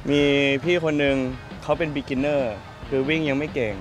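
A man in his thirties chatting in a friendly, halting way to press microphones at an outdoor park event. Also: on the high side, level tone, music in the background. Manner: friendly, pausing, polite particles. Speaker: celebrity guest at a charity run. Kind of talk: casual press interview. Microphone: press microphones held close.

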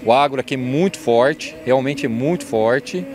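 A man's voice: medium pitch, normal speed, over music. A man in his forties with a Brazilian accent giving an informal outdoor TV interview as a visitor. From southern Brazil. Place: outdoors at a fair stand.

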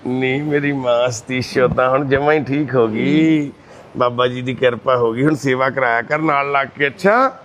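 A man chatting gently and reassuringly with residents of a shelter, greeting the women as mothers and sisters. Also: medium pitch, normal speed, slight background noise. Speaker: charity volunteer visiting residents. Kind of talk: casual chat with care-home residents. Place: indoor shelter for destitute people.

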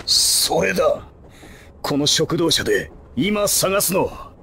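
A man playing a ruthless, proud gangster assassin in an anime video game, husky, with theatrical, menacing, rough tough-guy speech. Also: on the high side, very animated, takes it slowly, bright, forceful tone, a little hiss or hum, full character voice. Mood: stern, controlled.

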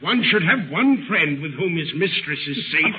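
A man's voice: high-pitched, exaggerated voice. A man playing a jovial, pompous gambling prince with theatrical exclamations in 1930s radio acting style. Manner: theatrical, exclamatory, archly aristocratic. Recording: scratchy, phone-like 1930s radio recording.

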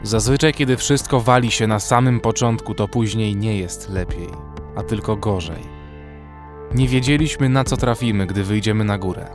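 Man as weary survivor, first-person horror narration, audio drama, average-to-low male pitch, prominent music bed. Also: moderate pace, lightly acted. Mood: grim, measured. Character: weary male armed survivor narrating a frozen zombie apocalypse.

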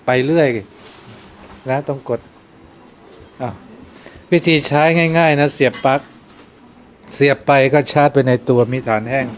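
Buddhist monk guy talking plainly, patient explaining, gets soft and earnest, faint noise behind. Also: mid-range voice, fairly even intonation, unhurried, pauses often. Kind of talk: informal dharma talk.

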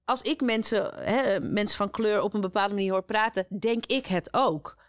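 Woman, podcast guest, casual chat, reflective, mid-pitched, dry close mic. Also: normal speed, dry recording. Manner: reflective, searching for words, frequent "zeg maar".

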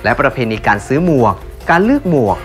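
A man's voice: on the high side, huge pitch swings, fast talker. A man narrating a documentary voice-over in a formal tone, addressing the viewers directly. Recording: voice-over with loud music bed.

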